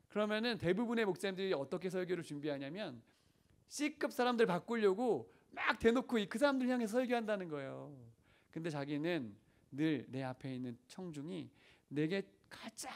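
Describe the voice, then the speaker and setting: A male pastor delivers a sermon with a somewhat raised pitch, sounding a little higher than most men. He tells stories earnestly and often turns to question the congregation. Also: darkish tone. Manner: earnest storytelling, acting out prayers and dialogue. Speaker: senior pastor.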